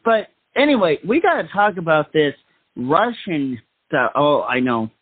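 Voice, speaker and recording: A man's voice: fairly high pitch, big pitch swings, a little slow, slightly rough, dry recording, narrow, tinny audio. A man hosting a talk show, giving casual radio-style commentary.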